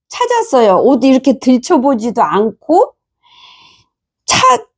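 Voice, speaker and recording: A middle-aged woman missionary giving an earnest testimony about a dream, telling it as a story. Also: a little mellow. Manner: earnest storytelling, quoting others in a higher voice.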